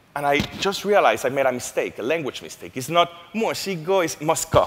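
A man with a Spanish accent speaks at a moderate pace. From Monterrey, Mexico. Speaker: entrepreneur and university lecturer. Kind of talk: conference talk. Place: stage. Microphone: headset.

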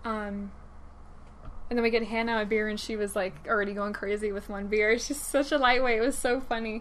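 A woman's fairly high, plain, everyday voice, at a fairly quick pace with fairly even intonation. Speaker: podcast co-host. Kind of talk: casual chat.

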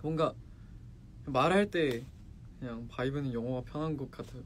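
A man speaks in a playful tone with ordinary pitch variation. Light background noise can be heard. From South Korea. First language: Korean. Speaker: K-pop idol. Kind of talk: casual fan livestream chat. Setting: Instagram live stream. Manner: friendly, playful. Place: home room. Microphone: phone near.

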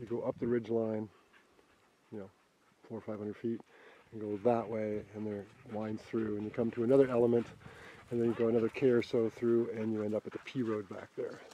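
Speaking at a fairly quick pace but with long, frequent pauses, a man talks in a flat monotone, his sound dry with no echo, over light background noise. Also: medium pitch for a man. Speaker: vlogger. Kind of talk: casual vlog narration. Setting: outdoors. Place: forest. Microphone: phone near.

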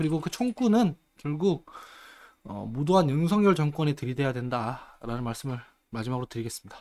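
A man at a fairly quick pace, fairly high in pitch, with lively intonation and a quiet background. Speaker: political commentator. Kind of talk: casual political talk on live stream. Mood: earnest, argumentative. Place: studio. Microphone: studio mic.

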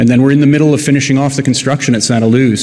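Fairly even intonation from a man. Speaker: presenter. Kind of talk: conference presentation. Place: hall. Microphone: podium.

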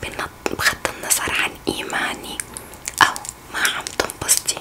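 Someone whispers at a very slow pace. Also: woman. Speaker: ASMR creator. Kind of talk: ASMR whispered chat. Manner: soft whisper. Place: home room. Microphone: studio mic.

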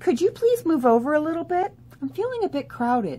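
A woman's squeaky put-on character voice, extremely high pitch and very wide pitch swings, at a fairly quick pace. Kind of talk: courteous. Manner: polite, kind.

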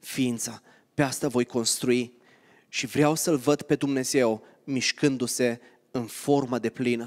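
Over a quiet background, a man speaks with fairly even intonation. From Romania, Timișoara (Banat); Romania. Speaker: missionary pastor. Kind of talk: sermon. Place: church. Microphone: handheld.

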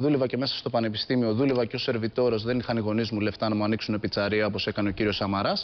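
Very fast and with hardly any pauses, a man speaks at medium pitch, his loudness very even and his intonation fairly even. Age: 30s. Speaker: politician. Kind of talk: TV interview. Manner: halting.

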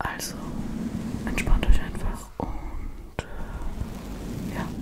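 A woman talking at a very slow pace. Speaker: ASMR creator. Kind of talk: ASMR personal attention talk. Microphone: studio mic.

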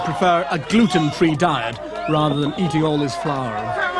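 A man with a British accent, dramatic in tone, with lively intonation at a moderate pace, music playing in the background. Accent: British received pronunciation. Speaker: sports commentator. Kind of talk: 1980s sports TV commentary, polished narration. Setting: archive TV broadcast. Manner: measured, authoritative, crisp; dramatic, descriptive.

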